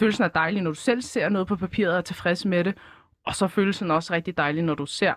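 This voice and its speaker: At a fairly quick pace, a woman with a plain, everyday voice talks at medium pitch with ordinary variation, in a dry, close sound with no echo on a very clean recording with a silent background. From Morocco, raised in Denmark from age 6. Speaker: painter and educator. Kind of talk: casual chat. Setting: studio.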